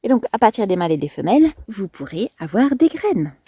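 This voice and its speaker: Lady chatting about plants, playful asides, warm mellow voice, dry close sound. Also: mid-range voice, big pitch swings, brisk, slightly rough, no echo. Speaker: gardener and landscaper presenting plants. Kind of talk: casual garden vlog.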